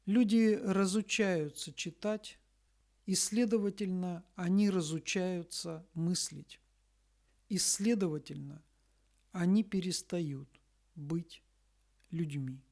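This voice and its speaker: A woman reads a scripted spiritual message in a solemn, deliberate manner, pausing between short phrases. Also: on the low side, a little mellow. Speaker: spiritual messenger reading a message.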